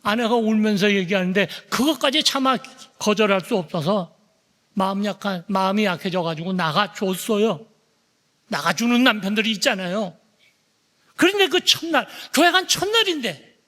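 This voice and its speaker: A man in his seventies preaching a sermon as pastor, telling a story with animated flair and tagging lines with a questioning "eh?". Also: high voice, normal speed, pauses often. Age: 70s. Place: church sanctuary. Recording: long church hall reverb.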